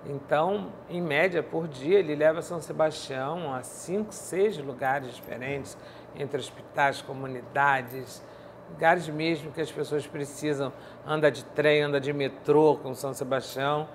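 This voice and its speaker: A woman's voice: low voice, a little slow. Casting: middle-aged Brazilian woman, conversational interviewer, seated studio setting, slight noise behind. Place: quiet indoor studio, seated.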